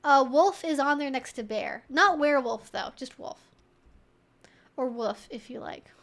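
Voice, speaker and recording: A woman's voice: high voice, lively intonation, measured pace, fairly bright tone. A woman hosting a live Q&A stream, thinking aloud in an informal, chatty, wry and opinionated way.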